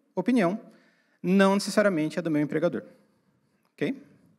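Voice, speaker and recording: Fairly quick in pace, a man speaks at a high pitch. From Brazil, interior of São Paulo state. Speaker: agile specialist, conference speaker. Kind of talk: conference talk. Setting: stage with audience.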